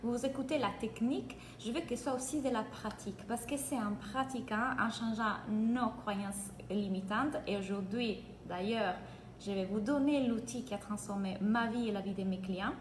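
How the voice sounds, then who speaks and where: A woman from Italy with an Italian accent, giving an energetic live-streamed coaching session in French and greeting viewers by name. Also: a little high, moderate pace, slight background noise. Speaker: business coach. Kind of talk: live-streamed free training. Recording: echoey room, faint ambience.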